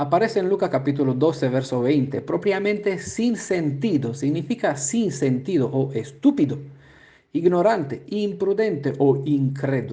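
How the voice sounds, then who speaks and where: A man with a non-native accent speaks at a fairly slow pace and a fairly high pitch, his dark, mellow tone somewhat breathy and his intonation lively. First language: not Spanish (speaking Spanish). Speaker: bible teacher. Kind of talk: teaching. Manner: halting, frequent 'eh' fillers.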